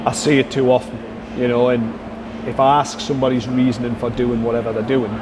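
A man explains his coaching approach in a conversational interview style, often circling back on his phrases. His pitch is mid-range and stays fairly flat. Steady background noise sits behind the voice. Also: brisk. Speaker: performance coach being interviewed.

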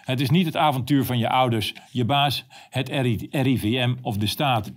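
A man's voice: mid-range voice, moderate pace. A man reading his own opinion column aloud, sarcastic and combative.

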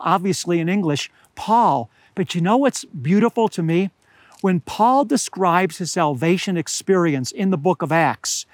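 An older man preaching a sermon outdoors at high altitude, slightly hoarse, earnest and deliberate, slowing down to stress key words. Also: no echo. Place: outdoors among pine trees at high altitude.

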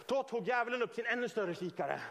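A man preaching a lively, informal sermon in a church hall, joking and acting out scenes. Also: very high-pitched, vocal fry.

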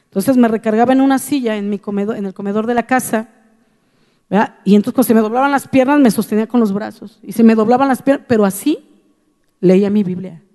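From the pulpit, a woman pastor earnestly gives her testimony as part of a sermon, repeating key phrases for emphasis. Her mellow, dark voice sits on the high side and moves fairly quickly, with a long reverb like that of a large hall.

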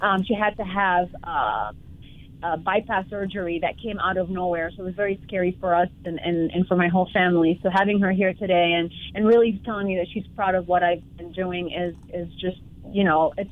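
A woman's voice: fairly low pitch, brisk, no echo. Woman from Congo, podcast guest, earnest, heartfelt, phone-like thin sound, dry close audio. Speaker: home decor creator, podcast guest. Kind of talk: casual interview conversation. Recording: tinny phone-like line, dry.

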